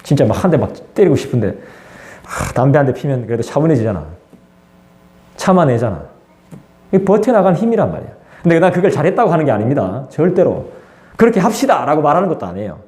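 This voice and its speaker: A man's voice: fairly high pitch, very animated, fast talker, mellow. A man preaching a sermon as pastor, in a conversational way that acts out the voices of people he quotes. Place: church sanctuary. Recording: echoey church room.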